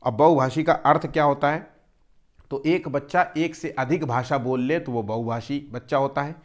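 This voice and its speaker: A man's voice: mid-range voice, fairly even intonation, normal speed. A man teaching an exam-prep lesson, explaining step by step and posing questions he then answers himself.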